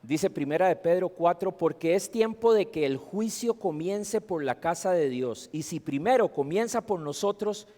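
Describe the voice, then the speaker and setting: A man's voice: on the high side, mellow. Preaching man, reverberant church. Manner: emphatic preaching with rhetorical questions to the congregation. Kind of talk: sermon. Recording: long hall reverb.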